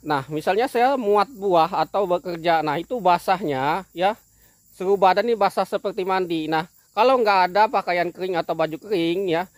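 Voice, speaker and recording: A man's voice: high-pitched, no echo. Man with a speech impediment. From Kalimantan, Indonesia. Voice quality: speech impediment, cannot pronounce one sound. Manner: apologetic, repetitive, fills pauses with "nah". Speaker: oil palm farmer and vlogger. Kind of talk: casual talk to camera. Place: outdoors in an oil palm plantation.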